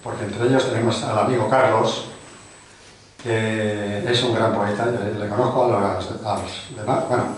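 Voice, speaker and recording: An older Spanish man hosts a book presentation with an informal welcoming speech, chatting and rambling with small self-deprecating jokes. His voice is fairly low, steady and moderately paced. He's recorded from far off in a large, very echoey indoor hall at a cultural club.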